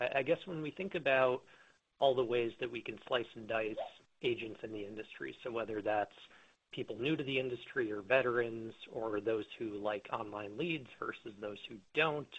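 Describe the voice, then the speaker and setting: A husky-voiced male financial analyst thinking aloud through a wordy question on an earnings call. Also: mid-range voice, a bit bright. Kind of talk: spontaneous conference call questioning. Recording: slightly dull call audio.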